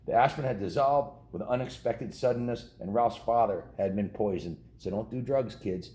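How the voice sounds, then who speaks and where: A man with a low, relaxed voice reads a children's story aloud. He keeps it informal and chatty, drifting into his own remarks to the kids, and the room around him is audibly echoey. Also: normal speed. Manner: informal, ad-libbing. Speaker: storybook reader. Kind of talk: casual read-aloud of a children's novel with chatty asides to kids. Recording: roomy, echoing indoor sound.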